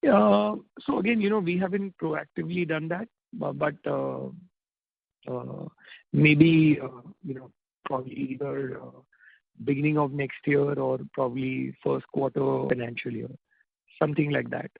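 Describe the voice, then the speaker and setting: A man with an Indian accent answers investor questions as a company executive, in informal, halting phrasing. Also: a little high, steady tone, gravelly, slightly rough, no echo. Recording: tinny, dry phone line.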